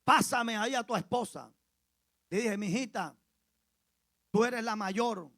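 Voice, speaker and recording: Speaking with a Colombian Caribbean Spanish accent, a male pastor tells his sermon as a story, repeating phrases for emphasis and moving from soft asides to loud cries. His voice sits high and his pace is slow, with no echo.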